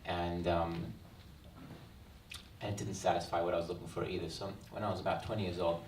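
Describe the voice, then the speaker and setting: Deep, flat Australian man speaking in a hall. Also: fairly quick, slight background noise. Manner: earnest, reflective, frequent ums. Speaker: author. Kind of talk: book launch talk. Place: event hall. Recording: roomy hall sound, mic at a distance.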